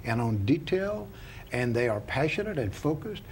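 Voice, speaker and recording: A man hosting a Christian television talk show, speaking in a deliberate, sermon-like way with frequent "uh" fillers. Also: mid-range voice, very animated, slight background noise. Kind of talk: preachy opening then interview.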